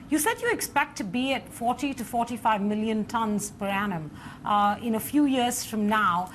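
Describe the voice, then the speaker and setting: A woman's voice: on the high side, a little hiss or hum. A woman journalist putting formal business questions to an interviewee.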